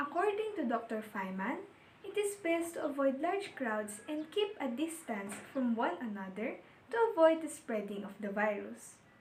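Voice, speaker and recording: A woman talks at a moderate pace in a high voice, her pitch swinging very widely. There is noticeable background noise. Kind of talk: student speech delivery.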